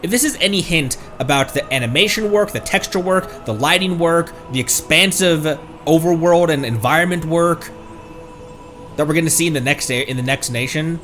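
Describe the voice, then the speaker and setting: A man doing casual live game stream commentary, excitable, exclaiming and thinking out loud as he plays. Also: on the high side, moderate pace, faint music behind. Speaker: streamer, VTuber.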